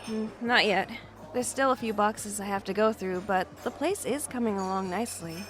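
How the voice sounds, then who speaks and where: A woman's voice: mid-range voice, moderate pace, soft background music, close to an everyday voice, poor audio. An actress playing an overworked, contented homebody in her twenties, speaking in a hesitant, understated way in a naturalistic audio drama. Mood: casual, content. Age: 20s. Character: twenty-six-year-old overworked woman, homebody, contented and cautious.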